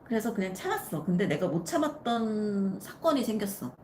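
A woman's voice: mid-range voice, a little fast, a little hiss or hum. A woman in her thirties tells a story with lots of rise and fall in her voice, switching into the voices of the people she describes. She talks casually on a live stream. The room echoes, and faint background ambience hangs under her voice. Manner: animated, acts out quoted people in the story. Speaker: nail artist and channel host. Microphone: live-stream setup. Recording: roomy echo with faint ambience.

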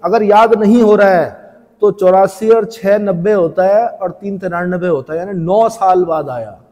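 A man's voice: high-pitched, measured pace, mellow, in a large hall. A male teacher giving a classroom lecture, repeating key points as questions to the class and mixing in folksy stories, with a northern Indian Hindi accent. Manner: folksy storytelling asides.

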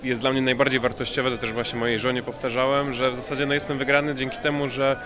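A man in his thirties talks into a TV reporter's mic, rambling and hunting for words. His pitch is average, and a loud crowd murmurs behind him in the hall. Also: flat delivery, quick pace. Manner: rambling, many fillers. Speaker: contest laureate. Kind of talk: news interview. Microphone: handheld TV mic.

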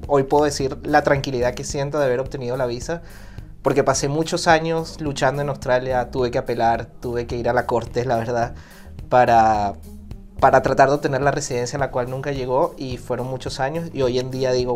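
A man, a guest telling his own story in a relaxed, reflective way in a small office. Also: medium pitch. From Venezuela. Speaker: interview guest. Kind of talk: casual personal account.

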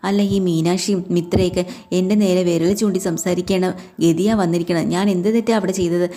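A woman voices a sulking young wife who complains and pleads with her husband in a retold family story. The tone is low and mellow, and the delivery is brisk. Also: fairly even intonation, lightly acted. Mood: aggrieved.

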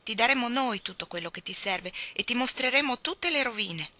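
A woman's voice: a little high, animated, a little fast, pitched above the performer's own voice. A woman reading the lines of a friendly, talkative old mountain villager who asks eagerly and gives blessings. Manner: warm blessings, eager questions.

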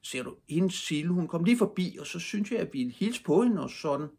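A man voicing a cheerful, daydreaming schoolboy in a storybook reading, raising his voice to a chirpy high tone. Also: sing-song, creaky, darkish tone, husky, heavily acted.

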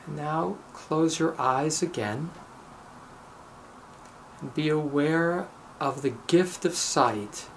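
Very slow-paced man leading guided meditation. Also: on the high side, a bit bright, slight background noise, poor audio. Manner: measured, deliberate, pausing between short phrases. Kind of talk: guided meditation with recited blessings.

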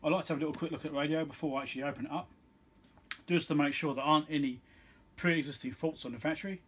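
A man's voice: fairly high pitch, fairly even intonation, quick pace, a bit bright. Offhand man muttering over noisy background. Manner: muttering, offhand, thinking aloud. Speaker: electronics repair technician and video host. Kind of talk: casual bench commentary while working. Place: small cluttered indoor electronics workbench.

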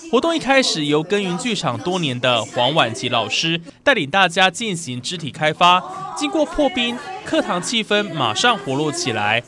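A woman's voice: on the low side, big pitch swings, normal speed, hardly any pauses, over music. A woman with a Taiwanese Mandarin accent reading scripted news narration as a reporter.

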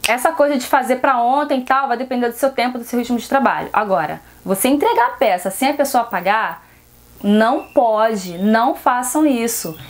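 A woman's voice: fairly high pitch, lively intonation, normal speed. A seamstress with a Brazilian Portuguese accent talks frankly to her viewers in a casual advice vlog, often asking rhetorical questions. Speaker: seamstress vlogger.

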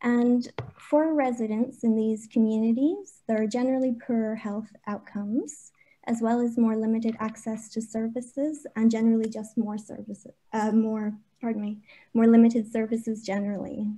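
Irish lady in her 30s, fairly high voice, measured with lots of uhs, webcam call. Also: steady tone, warm tone, low-quality recording. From Ireland. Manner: measured, with frequent uh fillers. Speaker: academic researcher presenter. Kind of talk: webinar presentation. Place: home or office on a video call. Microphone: video call.

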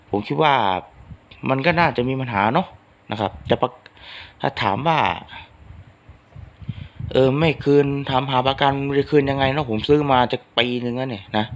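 Rambling man chatting to his followers. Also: medium pitch. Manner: rambling, homely, many fillers. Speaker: channel host. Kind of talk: casual chat to followers. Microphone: phone microphone.

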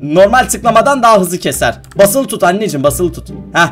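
An excitable young man gives a casual gaming vlog, his voice sitting high and swinging widely up and down. He laughs often and coaches patiently. Faint music plays under him. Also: brisk. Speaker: gaming YouTuber.

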